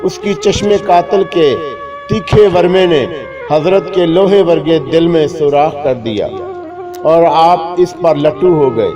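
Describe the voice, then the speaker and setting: A man reading a scripted humorous moral tale in a measured, literary, mock-solemn storytelling manner. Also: on the high side. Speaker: story narrator. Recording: dull lo-fi recording with music behind. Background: clear background music.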